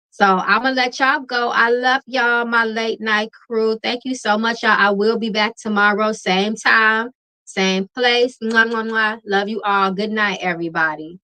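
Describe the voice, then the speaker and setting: A relaxed woman hosts a late-night livestream, chatting easily with her viewers and calling them y'all. Her voice is bright and calming, and she laughs often between remarks. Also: fairly high pitch, measured pace. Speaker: tarot reader and livestream host. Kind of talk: casual livestream chat with viewers.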